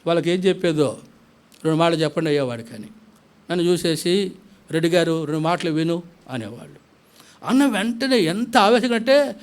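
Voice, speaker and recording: A middle-aged man preaching a testimony in a sermon, telling his story with animated storytelling and acting out the voices in it. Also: on the high side.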